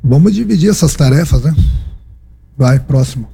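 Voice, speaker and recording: Husky emphatic Brazilian coach. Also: male voice, a little high, expressive, moderate pace, mellow. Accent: Brazilian Portuguese. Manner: emphatic, repeats phrases, rhetorical questions. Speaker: football coach. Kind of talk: post-match press conference answers.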